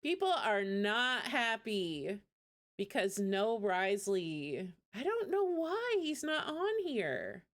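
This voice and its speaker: Woman, streamer, casual live commentary, chatty, effusive, very animated intonation, mid pitch. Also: slow pace. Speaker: streamer reacting to a game showcase.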